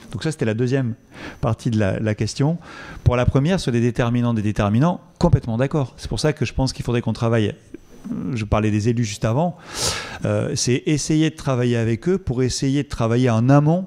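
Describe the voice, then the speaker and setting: Here a man's dark, mellow tone sits at medium pitch, with ordinary pitch variation and a fairly quick pace. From Toulouse, southern France. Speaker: epidemiologist, researcher. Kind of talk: Q&A after conference talk. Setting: conference hall with audience. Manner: hesitant, repeats words.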